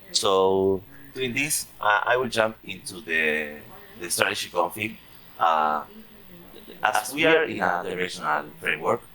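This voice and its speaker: Over noticeable background noise, a man speaks at a fairly slow pace and a fairly low pitch. His pitch swings very widely, and he leaves long, frequent pauses. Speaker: community developer presenting trading strategy. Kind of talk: technical presentation on a community call. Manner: halting, many fillers and repetitions.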